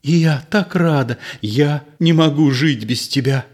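A man voicing a young woman in a read-aloud play, speaking high and eager. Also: a little slow. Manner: high, bright, pleading.

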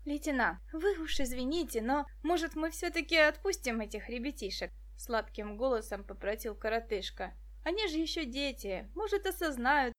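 A woman reading an audiobook, voicing a short, sly male crook who rasps and wheedles. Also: fairly high pitch, lively intonation, normal speed, hardly any pauses, close to an everyday voice. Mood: sugary. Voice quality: hoarse, wheedling.

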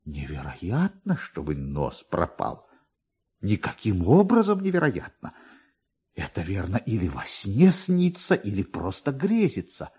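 A man's voice: lowish voice, wildly swooping pitch, warm tone, husky, heavily acted. Man playing a touchy, despairing official, swooping theatrical delivery. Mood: anguished, incredulous. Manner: theatrical, drawn-out lamenting. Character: proud touchy male collegiate assessor, self-pitying and distraught. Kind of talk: dramatic literary reading.

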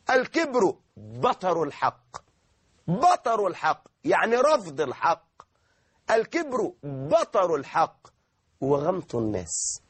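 Impassioned Egyptian Arabic preacher, very animated. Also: male voice, high-pitched, slightly rough, dry recording. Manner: impassioned, shifting between soft and shouted. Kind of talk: sermon.

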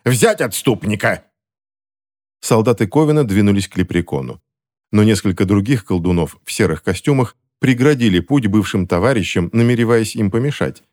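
Low-voiced male audiobook narrator. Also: lively intonation, fairly quick, darkish tone.

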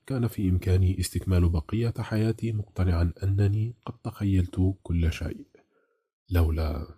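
Reading an audiobook, a man voices a troubled, bitter middle-aged caller, holding his anger in check. His voice is husky, very dark and low.

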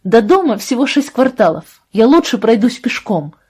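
A headstrong teenage girl, as a woman reader puts her on, with a higher, louder voice than the narration. She snaps in indignant outbursts, hurt and defiant. A husky, dark tone stays underneath. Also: sing-song, normal speed.

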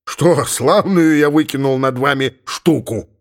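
A man's voice: fairly high pitch, a little slow. A man voicing grumbling old Cossack Chub. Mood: mocking. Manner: grumbling, exclaiming, talking to himself. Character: gruff middle-aged Cossack father, stubborn and suspicious.

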